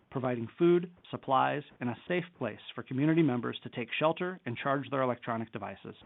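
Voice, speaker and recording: A man reading a scripted corporate presentation as a company executive in a measured, formal delivery. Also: fairly high pitch, creaky. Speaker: company executive on an earnings call. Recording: narrow phone-line conference call audio.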